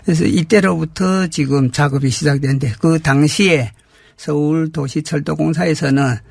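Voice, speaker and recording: A man with a fairly high voice full of creak, recorded dry and close. He gives formal, measured explanations as an interview guest. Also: fairly even intonation, darkish tone, no echo. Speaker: interview guest, community representative.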